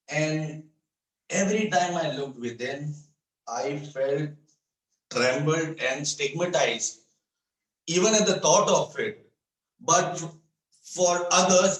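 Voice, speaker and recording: Male contest speaker, fairly high voice, slow emphatic stage delivery, recorded in a reverberant room. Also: fairly bright tone. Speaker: speech contestant. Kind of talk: rehearsed motivational contest speech. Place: indoor room on a video call. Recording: echoey room, distant microphone, online meeting.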